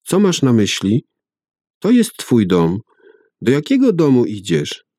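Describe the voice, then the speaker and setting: A man reading a story aloud and voicing a frightened child who pleads with its father in high cries. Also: huge pitch swings, measured pace, mellow, no room sound, studio quality. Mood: pleading.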